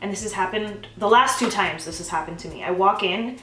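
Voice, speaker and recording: A woman's voice: mid-range voice, fairly quick, sharp tone, echoey room, recorded from a distance, slight background noise, rough recording. A young woman chatting bubbly and gushing through a makeup tutorial at home, talking straight to her viewers. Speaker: beauty vlogger. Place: home, filming herself.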